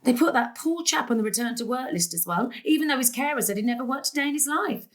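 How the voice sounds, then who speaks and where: High-voiced, exasperated middle-aged mother. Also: animated, fast talker. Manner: exasperated, emphatic. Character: harried middle-aged mother caring for family, exasperated, snappy. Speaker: stage actor. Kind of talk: dramatic dialogue in a play.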